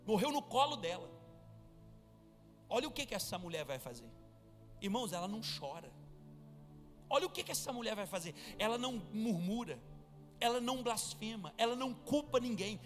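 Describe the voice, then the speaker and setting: Fervent preacher, high voice, reverberant hall. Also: male voice, sing-song, moderate pace, pauses often. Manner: fervent preaching, calls the church to respond. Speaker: pastor. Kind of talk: live sermon. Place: church. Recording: reverberant church hall with music.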